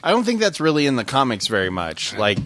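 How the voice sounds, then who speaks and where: A man's voice: mid-range voice, wildly swooping pitch, fast, noisy background. A man co-hosting a podcast, chatting in a laid-back, rambling way and laughing often. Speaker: podcast host. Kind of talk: casual chat.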